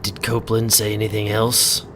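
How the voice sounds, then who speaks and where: An actor playing a terse, brooding young master in an audio drama, with a controlled manner. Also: male voice, lowish voice, completely flat delivery, normal speed, fairly bright tone, natural voice. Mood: tense brooding. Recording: faint background ambient noise.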